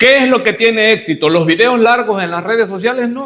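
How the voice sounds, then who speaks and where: A man's raised, projected voice in an animated, bright, sharp tone, with audible room echo. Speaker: pastor. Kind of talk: sermon. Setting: church service. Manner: animated, many rhetorical questions.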